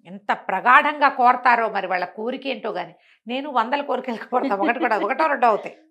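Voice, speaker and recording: A woman telling devotional stories conversationally, in an expressive, emphatic way that repeats phrases for effect. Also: fairly high pitch, a little fast. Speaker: storyteller and talk show guest.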